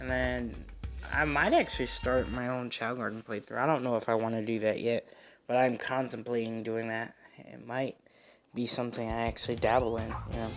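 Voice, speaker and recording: A young man giving casual, slangy, rambling game commentary as the host of a gaming video. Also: medium pitch. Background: video game music.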